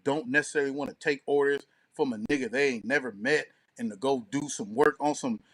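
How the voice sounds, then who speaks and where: A man's voice: mid-range voice, a little fast, fairly bright tone. A man co-hosting an online show, chatting casually with heavy slang.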